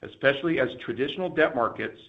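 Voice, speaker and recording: A man giving a scripted, formal and measured financial presentation as a company executive on an earnings call. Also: mid-range voice. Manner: formal, measured corporate delivery. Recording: dull, lo-fi conference call audio.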